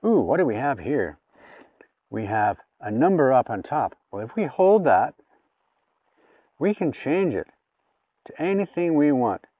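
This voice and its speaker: A man with a mid-pitched voice walks through a gadget in a casual, hands-on demo. He talks informally, explaining each step as he goes. The sound is thin and phone-like, with his voice a little away from the mic. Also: very animated, measured pace, long pauses, no echo, distant mic. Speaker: gadget reviewer. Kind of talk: casual hands-on product demonstration.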